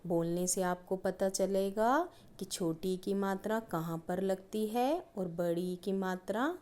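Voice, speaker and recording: A woman teacher giving a patient grammar lesson to young schoolchildren, stretching out each example word slowly and calling them children. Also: medium pitch, mellow. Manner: slow, drawn-out stressing of each example word; patient, addresses pupils as "children".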